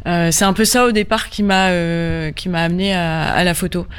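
A woman from Normandy, a photographer guest in a radio interview, who talks in a halting way with many fillers and restarts. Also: lowish voice, fairly even intonation, clear, resonant tone. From Normandy, France.

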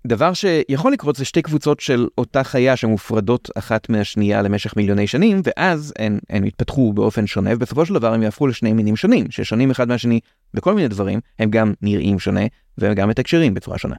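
A man's voice: fairly low pitch, animated, a little mellow, no echo, studio quality. A man with an Israeli accent explaining things in a conversational way as a show's host, with playful questions and asides. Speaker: host of a science explainer show.

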